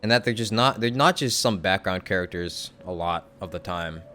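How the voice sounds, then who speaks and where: A young man streaming a game and talking over it in a relaxed, rambling way. His voice sits on the lower side, full of "like" and "you know", with occasional swearing. Faint game music plays underneath. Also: normal speed. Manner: rambling, with hedges, fillers and casual swearing. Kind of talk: casual live-stream commentary.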